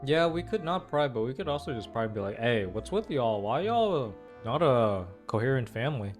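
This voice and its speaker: A man's voice: medium pitch, big pitch swings, normal speed, faint music behind. A young man giving casual, slangy gaming commentary with lots of exclamations. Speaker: game streamer reacting to a story quest.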